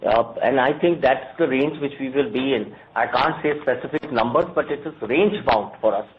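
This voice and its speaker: A man's voice: mid-range voice, normal speed, slight background noise. Indian-accented male executive on tinny phone line. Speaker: bank executive answering analysts. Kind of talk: earnings call question and answer. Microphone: telephone conference line.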